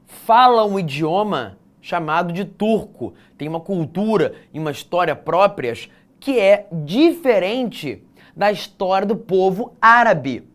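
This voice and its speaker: A man's voice: high voice, animated, a little slow, a bit bright. A man with a Brazilian accent teaching an exam-prep geography lecture, stressing key words and speaking straight to his students.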